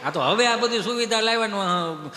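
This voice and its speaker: A male Gujarati comedian spins folksy stage stories with a high, very bright voice and chatty, laughing delivery. His voice booms through a roomy hall with a long reverb tail. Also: normal speed. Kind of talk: live folk stage comedy monologue. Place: live stage before an audience. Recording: echoey live hall reverb.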